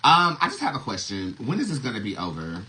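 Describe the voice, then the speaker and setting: Through heavy noise on the recording comes a man with a mid-pitched voice, hosting his own online show. He talks casually and with strong opinions, sassy and emphatic, and swears freely. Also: huge pitch swings, quick pace. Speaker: host of an online tarot reading show. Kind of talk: casual opinionated commentary to viewers. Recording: very noisy recording with clicks.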